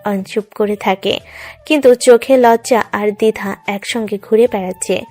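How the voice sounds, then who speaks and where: A woman's voice: medium pitch, steady tone, moderate pace, darkish tone. A woman reading dramatic scripted narration for a love story. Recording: music under the voice.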